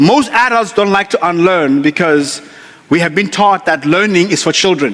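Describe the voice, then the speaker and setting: With a South African accent, a man talks at a moderate pace in a high pitch, his intonation lively and his loudness very even, against noticeable background noise. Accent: South African twang. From South Africa, Free State. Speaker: motivational speaker, former pastor. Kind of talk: motivational talk.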